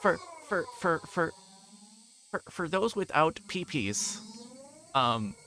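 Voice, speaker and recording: A man's voice: fairly high pitch, very animated, slow pace. Man livestreaming with faint background noise. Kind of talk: casual livestream commentary on a visual novel, reading aloud and explaining.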